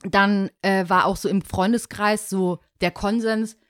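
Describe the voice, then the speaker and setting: A woman with a mid-range voice co-hosts a relaxed podcast chat. She sounds friendly and laughs easily, and she sometimes corrects her partner's German. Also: mid-range voice, unhurried, clear, resonant tone. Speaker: podcast co-host. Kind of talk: casual chat.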